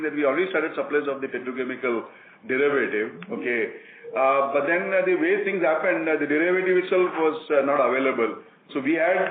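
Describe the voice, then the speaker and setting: A man with an Indian accent answering investor questions as a company executive on an earnings call, in a measured, explanatory way, often saying okay. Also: fairly high pitch. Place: conference call line. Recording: roomy, noisy, narrow phone-like conference line.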